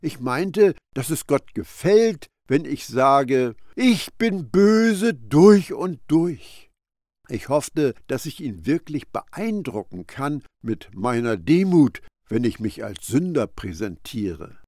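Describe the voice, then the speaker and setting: A man's voice: mid-range voice, very animated, takes it slowly, hardly any pauses, a little mellow, no room sound, clean studio sound. A man preaching a Bible commentary, speaking emphatically and addressing the listener directly. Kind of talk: sermon-style Bible commentary.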